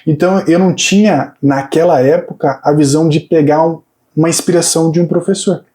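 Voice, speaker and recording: A man's voice: on the high side, fairly even intonation, a little fast, mellow. A man in his thirties, a fitness coach, talking earnestly about his path with many hesitant restarts. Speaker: fitness coach and PhD student guest. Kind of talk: casual interview chat.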